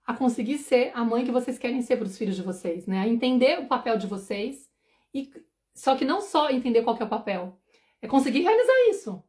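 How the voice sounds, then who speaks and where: Woman in her forties, parenting mentor on a live stream; rapid, slightly high voice, chatty, acts out worried inner voices. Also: very animated, a little mellow. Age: 40s. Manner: fast, conversational, often asks "entendeu?"; acts out anxious inner thoughts.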